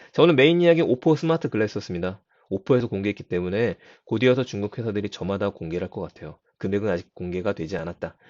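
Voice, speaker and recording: A slightly hoarse man hosting a daily IT news show, chatting casually with listeners and explaining with asides. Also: lowish voice, darkish tone, no echo, highs cut off. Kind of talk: casual spoken IT news commentary.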